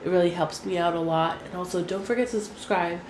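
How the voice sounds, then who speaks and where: A young beauty vlogger with a stuffy, nasal voice from a cold chats casually, tossing in "like" again and again. Her tone is lowish and darkish and her pace a little fast, recorded in an echoey room with a faint hum.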